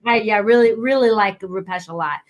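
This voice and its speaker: A woman hosting a podcast, bubbly and excitable, chatting with her guest over a video call. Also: mid-range voice. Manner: bubbly, excitable, quick laughs. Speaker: podcast host. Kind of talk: casual interview chat.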